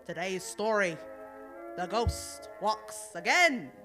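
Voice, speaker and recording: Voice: mid-range voice, expressive, slow pace, over music. A narrator reading a scripted mystery introduction in the style of old-time radio theatre.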